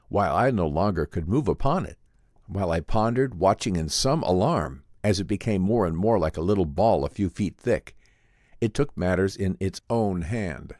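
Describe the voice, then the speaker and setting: A man reading a vintage science fiction story as a dramatic audiobook narrator, theatrical and measured in delivery. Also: sits low, darkish tone, no echo, studio quality.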